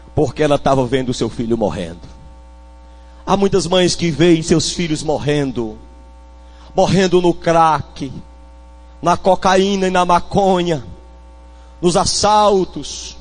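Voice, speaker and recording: This bishop, a man with a fairly high pitch and a Northeastern Brazilian accent, delivers a fiery sermon that moves from shouting to hushed tones as he calls on the congregation.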